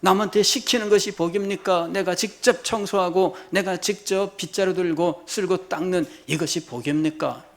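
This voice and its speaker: A middle-aged male pastor with a fairly high voice preaches with fervor. He drops to quiet, low phrases and then climbs to loud, ringing exclamations. He repeats his points and presses the congregation with rhetorical questions. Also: moderate pace, few pauses. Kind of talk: sermon.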